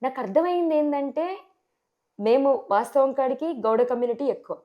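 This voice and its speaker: A woman with a Telangana Telugu accent, a sarpanch candidate answering in a TV interview, forceful and full of rhetorical questions. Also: high voice, moderate pace, lo-fi sound.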